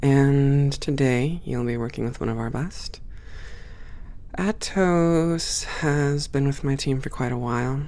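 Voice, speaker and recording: A woman's voice: very deep voice, takes it slowly, mellow. A woman playing a strict but kind naga hangar boss, courteous and encouraging, in an ASMR audio drama. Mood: polite, welcoming. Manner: composed, courteous, encouraging, managerial.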